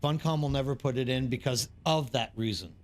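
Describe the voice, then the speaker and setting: A man from East Texas, United States, streams a game and chats with viewers in a casual, rambling way, his American accent evident. His mid-range voice moves fairly quickly.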